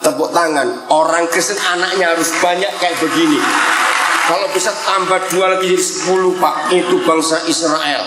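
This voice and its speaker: A man preaching a lively youth sermon in a church hall, teasing and quizzing the congregation as he goes. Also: on the high side, normal speed, heavy background noise.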